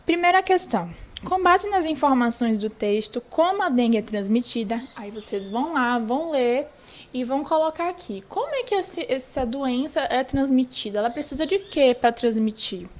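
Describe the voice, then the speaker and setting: A woman's voice: high-pitched, lively intonation, normal speed. A young woman with a Brazilian Portuguese accent, teaching an online lesson and patiently going through a worksheet, repeating key points for children.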